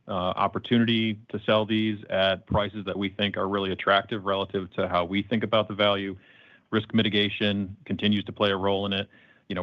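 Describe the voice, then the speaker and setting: A man's voice: low voice, dry recording. A man answering questions as a company executive in conversational business talk, on slightly dull conference-call audio.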